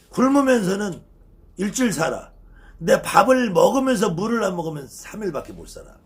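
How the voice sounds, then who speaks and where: Man in his fifties, shaman teacher, high voice with lively swings, emphatic, repeats key words. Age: 50s. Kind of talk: lecture on shamanic ritual.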